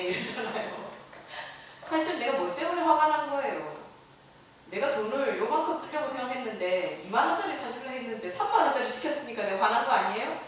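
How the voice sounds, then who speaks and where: A woman's voice: mid-range voice, a little hiss or hum. A Buddhist nun giving a dharma talk to a class in a conversational way, with personal stories and voices for her own inner thoughts. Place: temple lecture hall. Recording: echoey, from far off.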